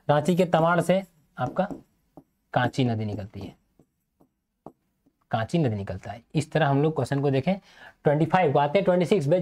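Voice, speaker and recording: A man's voice: on the high side, darkish tone. Male teacher running through exam questions. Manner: asks and answers his own questions; repeats key points for memory. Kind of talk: exam-prep lecture.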